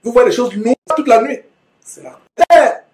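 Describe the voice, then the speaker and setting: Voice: mid-range voice, moderate pace, a little mellow. A preacher teaching verse by verse from the Bible, reading each passage aloud and then explaining it with repetition and frequent self-corrections.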